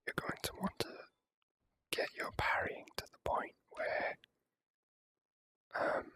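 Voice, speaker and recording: This is a gaming creator doing ASMR commentary in a soft whisper. The whisper has a bright, crisp edge and never turns into full voice. The delivery is casual and unhurried, with the odd mild swear.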